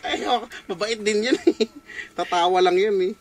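A man's voice: high-pitched, moderate pace, slight background noise. A man with a Filipino accent working as a radio DJ, bantering and greeting listeners in a giggly, playful way. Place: small radio studio. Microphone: studio boom mic with headphones.

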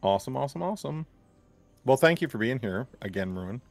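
A man's voice: mid-range voice, expressive, quick pace, vocal fry, faint music behind. A man hosting a charity game stream on a headset, upbeat and introducing guests. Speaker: stream host. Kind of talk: casual chat.

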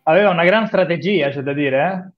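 A man's voice: a little high, a little fast. A man chatting casually in a group anime watch-along over a video call. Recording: dull, lo-fi video-call audio.

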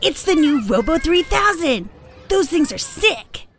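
A woman voicing an excitable little boy. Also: sits high, a little slow, some chatter behind, slight background noise, pitched above the performer's own voice, exaggerated voice. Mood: amazed, excited.

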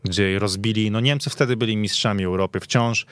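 Male football pundit, slightly deep, conversational storytelling, close dry radio studio sound. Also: a little fast, clean tone, dry recording. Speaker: football podcast panelist. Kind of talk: casual sports reminiscence.

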